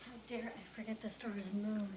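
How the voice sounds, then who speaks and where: A woman's voice: mid-range voice, little pitch movement, brisk, noisy background. A woman chatting casually at home, dropping in everyday domestic asides.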